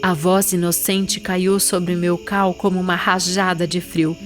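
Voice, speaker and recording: A woman's voice: fairly low pitch, flat delivery, a little slow, music in the background. A woman with a Brazilian accent who hosts a literary podcast, reading and talking about books. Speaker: podcast host and literary reader. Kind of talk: literary narration and conversational book discussion.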